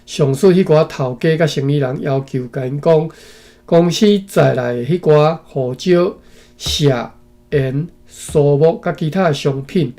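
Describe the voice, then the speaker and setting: Mellow, slightly high man reading aloud. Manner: reads slowly in phrases, adding asides and frequent tag particles. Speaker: reader and commentator. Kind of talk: reading a historical text aloud with commentary.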